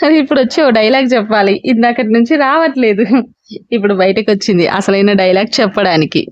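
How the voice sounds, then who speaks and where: Brief: woman storyteller, high voice, dry, dull lo-fi recording. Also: fairly quick, no echo. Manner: chatty asides to listeners. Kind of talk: scripted story narration.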